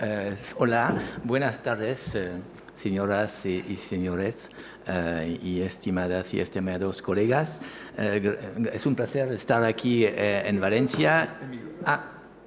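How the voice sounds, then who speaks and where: With audible room echo, a man speaks in a French accent at a very slow pace, his pitch fairly low and its variation ordinary. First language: French (speaking Spanish). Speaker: museum curator and researcher. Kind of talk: lecture. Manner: halting, repeated words.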